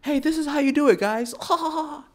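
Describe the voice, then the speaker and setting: A man's voice: fairly quick, darkish tone. A man putting on a smug social media poster who mocks in a sneering, laughing tone. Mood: mocking. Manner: high, sneering, laughing mockery.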